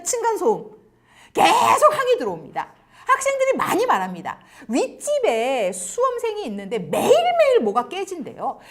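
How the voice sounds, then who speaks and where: Animated, high-voiced woman lecturing parents. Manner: animated, acts out quoted lines; drops to near-whispers for emphasis. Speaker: education commentator and host. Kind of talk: lecture-style advice to parents.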